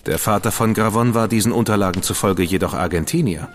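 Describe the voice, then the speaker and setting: An actor playing a confident, skeptical Victorian gentleman agent who asks pointed questions. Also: lowish voice, quick pace, big-room sound, soft background music, lightly acted. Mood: probing. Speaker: agent of the crown. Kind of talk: studio radio drama acting.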